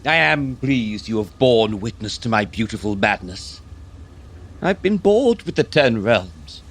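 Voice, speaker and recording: An actor playing a theatrical dark elf tyrant in an audio drama, mocking and grandiose, drawing out his words. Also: lowish voice, sing-song, breathy edge, full character voice. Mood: grandiose, gloating. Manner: mocking, grandiose, drawn-out delivery.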